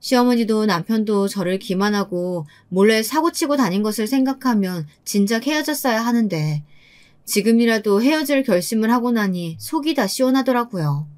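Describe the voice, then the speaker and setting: Woman storyteller with a fairly high voice, steady scripted reading of a first-person tale. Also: normal speed. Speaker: story narrator.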